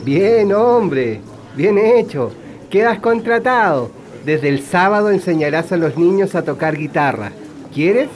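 A man's voice: high-pitched, lively intonation, measured pace. An actor playing a kindly parish priest in a radio drama, fatherly and encouraging.

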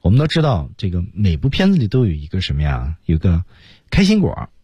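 A man teaching English on a radio lesson, explaining phrasing and linking of sounds in a husky voice. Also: wildly swooping pitch, brisk, dark tone, no echo, lo-fi sound. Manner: explains phrasing, then acts out film lines in a high voice. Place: radio studio.

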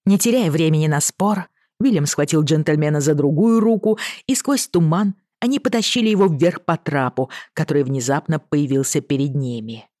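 An audiobook narrator reading a novel in a steady, even storytelling manner. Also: medium pitch, dry recording, studio quality. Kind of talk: scripted narration.

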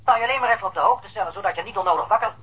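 An actor playing a chatty, apologetic policeman heard as a raspy telephone voice in a radio drama. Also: sits high, rapid-fire, bright, forceful tone, muffled recording, full character voice.

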